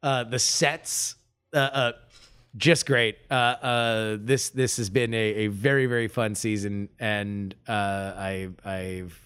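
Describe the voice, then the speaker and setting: A man co-hosting a podcast in casual chat, halting with many fillers and restarts. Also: fairly low pitch, steady tone, fairly bright tone, clear, resonant tone. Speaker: podcast co-host.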